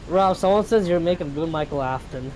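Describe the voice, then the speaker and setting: A man's voice: fairly high pitch, a little fast, darkish tone, a little hiss or hum, rough recording. A man in casual voice chat, teasing and egging the others on.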